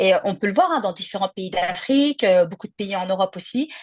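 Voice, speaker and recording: A woman speaks at a moderate pace in an animated tone with lively intonation. Her voice is somewhat breathy, in a dry, close sound with no echo. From France (Lebanese family, born in Lebanon). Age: 40s. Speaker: comedian and content creator. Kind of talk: interview.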